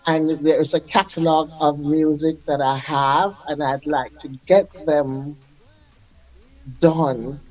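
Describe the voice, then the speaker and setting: An older man, a music artist recalling his career in an unhurried, reflective way as a radio guest. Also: on the high side, steady tone, highs cut off. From Jamaica. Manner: unhurried, reflective, laughs often. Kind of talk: radio interview.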